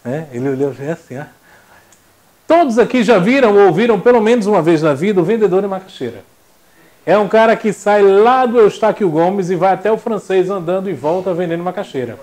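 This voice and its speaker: A man's voice: high voice, a little fast. A young man teaching a classroom lecture, joking and acting out little voices. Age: young adult. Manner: jokey and animated, acts out voices.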